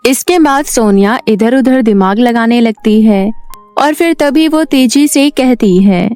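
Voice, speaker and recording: Female storyteller: fairly high voice, scripted children's tale narration, music underneath. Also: unhurried, darkish tone, smooth, dry recording. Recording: music behind the voice.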